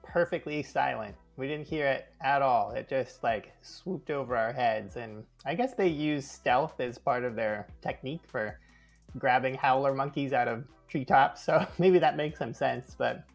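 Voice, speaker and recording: A man, a guest on a podcast, telling animated birding stories with frequent laughter. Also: medium pitch, unhurried, gravelly, soft background music. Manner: enthusiastic, laughs often. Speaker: guest birder. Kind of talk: casual interview storytelling.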